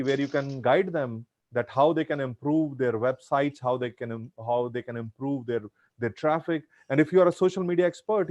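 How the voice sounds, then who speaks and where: A man's voice: medium pitch, a little mellow, no room sound, lo-fi sound. Earnest Indian man giving advice. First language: Punjabi. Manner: earnest, advisory, repeats himself. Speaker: guest speaker. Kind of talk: answering audience questions.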